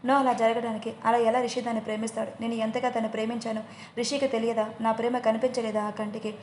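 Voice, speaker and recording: A woman's voice: medium pitch, fairly even intonation, brisk, echoey room, slight background noise, lightly acted. A woman voicing a spoiled, jealous young woman who snaps and flares up, in an audio story. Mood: furious. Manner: snappy, dramatic.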